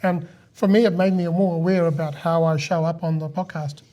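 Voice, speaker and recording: A man's voice: fairly high pitch, fairly even intonation, brisk, dark tone. A man hosting a podcast, talking in a casual, conversational interview style. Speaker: podcast host.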